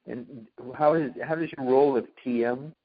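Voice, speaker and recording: A man's voice: mid-range voice, moderate pace, husky, no room sound. A man putting questions informally as an interviewer, rephrasing tentatively as he goes. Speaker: interviewer reading submitted questions. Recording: dry, muffled conference call line.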